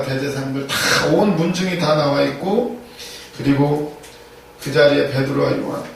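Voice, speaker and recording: A man's voice: on the high side, vocal fry. A man preaching a sermon as a pastor, emphatic, repeating key phrases and asking rhetorical questions. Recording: echoey room, distant mic, faint noise.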